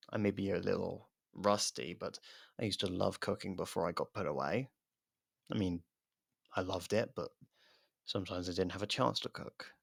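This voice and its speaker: Gravelly, low-voiced sardonic murderer played by a man. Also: a bit bright, no room sound, studio quality, exaggerated voice. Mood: casual, curious. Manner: sardonic, foul-mouthed, needling. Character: guarded, sarcastic convicted murderer helping a detective on a case. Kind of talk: ASMR roleplay audio drama.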